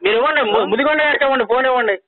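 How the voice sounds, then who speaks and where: A man's voice: very high voice, very fast. A man calling to argue about a debate challenge, talking over the other side and repeating his points insistently. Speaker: caller in a religious debate challenge. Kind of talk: heated phone argument. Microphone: phone. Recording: tinny phone line.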